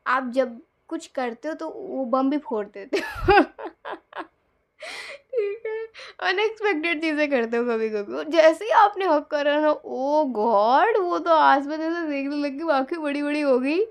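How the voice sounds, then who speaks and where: Woman tarot reader, chatty storyteller, slightly high voice, acts out dialogue. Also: unhurried. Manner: chatty, animated, acts out quoted lines, laughs often. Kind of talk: casual storytelling tarot reading.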